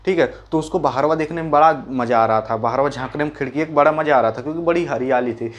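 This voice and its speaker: A man explaining a school chapter in a casual, folksy way, repeating key points as quick questions and answers. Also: on the high side. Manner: folksy, calls listeners brother and mimics sounds. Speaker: teacher.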